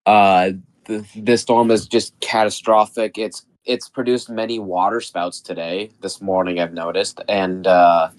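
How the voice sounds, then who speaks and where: A man guest on a live weather stream, a little raspy from being sick, explaining storm data steadily. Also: lowish voice, level tone, measured pace.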